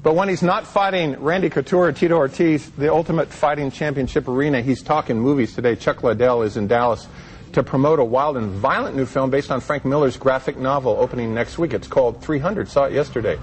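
A man with a mid-pitched presenter's voice hosts a live interview. He talks conversationally, with faint noise in the background. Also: brisk, low-quality recording. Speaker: television interviewer, host.

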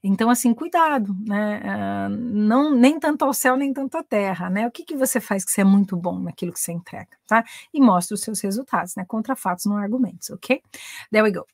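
A woman's voice: mid-range voice, animated, a little fast, vocal fry, no room sound, clean studio sound. A woman with a Brazilian Portuguese accent teaching a live online class on English and careers, chatty, dropping English phrases into her talk and ending lines with tag questions. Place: home in England.

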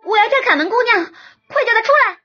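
A woman voicing an arrogant young noblewoman disguised as a boy, shouting haughtily. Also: very high-pitched, lively intonation, fast, lo-fi sound, pitched above the performer's own voice, exaggerated voice. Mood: demanding.

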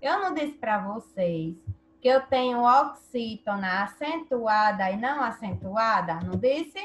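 Slow, patient Brazilian woman teacher. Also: fairly high pitch, animated, fairly bright tone. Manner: patient, slow, quizzing pupils. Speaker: primary school teacher. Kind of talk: online class for children.

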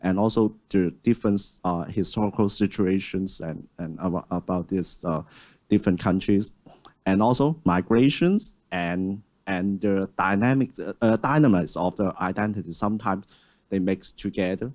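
A man moderating a panel discussion on a large auditorium stage, speaking haltingly with many fillers and restarts. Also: sits low, a little mellow.

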